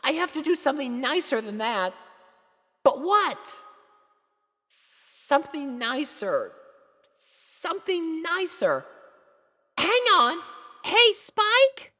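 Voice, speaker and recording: A woman voicing a shy, lovestruck young girl pony in a nervous, halting storybook reading. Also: high voice, sing-song, bright, forceful tone, voice pushed up, full character voice. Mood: flustered, smitten.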